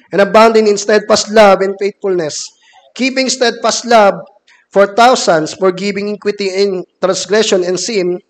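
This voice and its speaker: A Filipino man in his thirties preaching a measured sermon from a wooden pulpit in a church hall, reading scripture aloud. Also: sits high. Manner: measured, reads scripture from a laptop. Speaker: deacon preaching. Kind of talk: sermon mixing Filipino and English.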